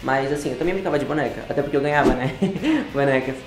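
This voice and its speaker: A 19-year-old man with a Brazilian Portuguese accent telling personal stories in a relaxed way, laughing often, recorded in a studio against a grey wall. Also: mid-range voice, fast, music in the background. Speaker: interviewee. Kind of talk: casual personal storytelling. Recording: roomy room sound.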